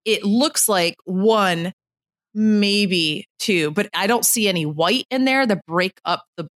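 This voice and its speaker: A woman's voice: mid-range voice, takes it slowly, no room sound, clean studio sound. A woman co-hosting a casual chat about a TV show, explaining at length and often checking in with "right?". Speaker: podcast co-host.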